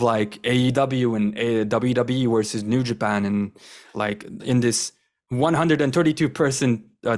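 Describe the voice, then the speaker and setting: A young man whose first language is Turkish, a guest chatting casually in an interview, enthusiastic and rambling with lots of fillers. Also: mid-range voice. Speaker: guest, wrestling content creator.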